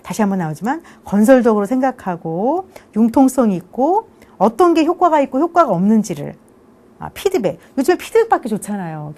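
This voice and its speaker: Lively-voiced woman lecturer. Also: mid-range voice. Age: middle-aged. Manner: conversational, keeps asking "그죠?" for agreement; rhetorical questions, answers them herself. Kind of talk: online university lecture.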